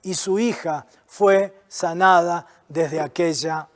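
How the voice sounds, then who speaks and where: A man, a pastor delivering an earnest sermon that sinks at times into soft, low, intense passages. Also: steady tone, slow pace, in a large hall.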